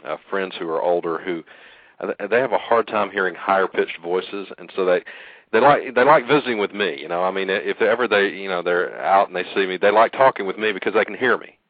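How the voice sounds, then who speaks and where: A man with a deep voice co-hosting a podcast, speaking earnestly and hesitantly, with many pauses. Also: no echo. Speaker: podcast co-host. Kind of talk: casual podcast conversation. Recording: tinny phone-line call audio.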